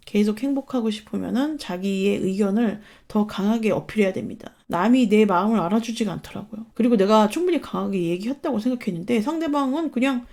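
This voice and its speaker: Blunt, mellow-voiced woman giving advice. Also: a little high. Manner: blunt, profane and emphatic. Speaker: advice channel host. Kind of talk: casual advice talk.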